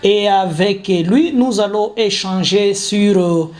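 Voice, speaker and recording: A man hosts a talk show interview. His delivery is halting, with frequent fillers and restarts. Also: high voice, darkish tone. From Congo. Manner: hesitant, many fillers and restarts. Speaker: host.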